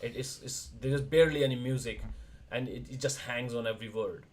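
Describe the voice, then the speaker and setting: A young man from India hosts a casual livestream chat. His voice sits at an ordinary middle pitch. He rambles in fast bursts and often restarts his sentences. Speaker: streamer, wrestler co-host.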